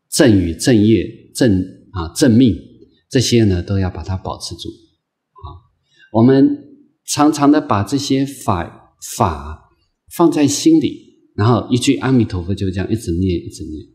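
A man, a Buddhist monk, giving an unscripted dharma lecture in a gentle, patient way, repeating phrases and filling pauses with soft drawn-out sounds. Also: fairly low pitch. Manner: gentle, repetitive phrasing with many drawn-out "ah" fillers; slow, patient, coaxing delivery.

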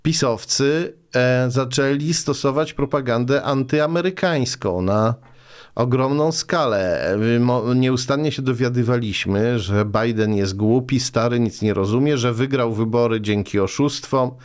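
A man in his forties, with a mid-range voice and a measured pace, appears as a guest on a political interview in a small studio. He hesitates often and throws in sarcastic remarks. His voice is captured by a boom mic on a desk arm.

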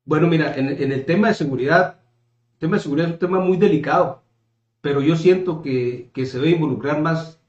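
A man's voice: on the high side, fairly quick, darkish tone. Hesitant northern Mexican man in echoey room. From Mexico, coast of Caborca in Sonora. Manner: hesitant, repeats words while searching for the next. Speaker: political candidate being interviewed. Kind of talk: conversational interview answers. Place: small indoor room, seated at a table. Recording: roomy echo, slightly dull sound.

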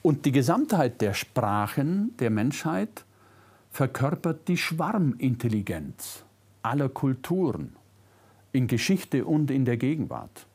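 An older man with a faint Bavarian-Swabian German accent, reading a prepared lecture as a philosopher, measured and reflective, lifting his voice on key words. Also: mid-range voice, very animated, darkish tone, slightly rough. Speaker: philosopher giving a public lecture. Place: lecture room, seated at a desk. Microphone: lapel mic.

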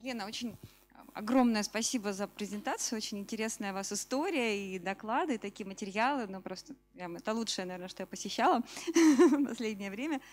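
A woman's voice: mid-range voice, fairly quick. An enthusiastic woman asking chatty, informal questions as an audience member. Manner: effusive, enthusiastic. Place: event hall.

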